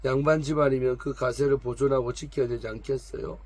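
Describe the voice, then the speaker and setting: A man's voice: medium pitch, fairly even intonation, brisk, darkish tone, slightly rough, dry recording, natural voice. A man reading aloud the lines of a proud, complaining woman of 45 from a noble family. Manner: complaining, defensive, pleading.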